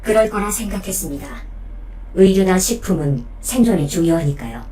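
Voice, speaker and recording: Woman playing a mellow, formal robot companion. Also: mid-range voice, lively intonation, slight background noise, close to an everyday voice. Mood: calm. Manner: formal, measured, matter-of-fact. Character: polite, protective, logical female robot companion. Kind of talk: Korean audio drama acting.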